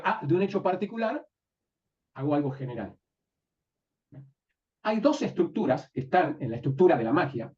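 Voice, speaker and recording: A man teaching a live class, often pausing to ask his students whether they follow. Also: fairly high pitch, a little mellow. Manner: asks the class frequent checking questions. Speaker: NLP teacher. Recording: distant, dull lo-fi room recording.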